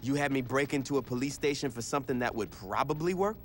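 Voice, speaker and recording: A man plays a gang leader in a game cutscene, blunt and sarcastic, swearing freely as he gives orders. His voice sits at an ordinary male pitch, with faint game noise behind. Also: fast talker, lightly acted. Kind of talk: video game cutscene acting.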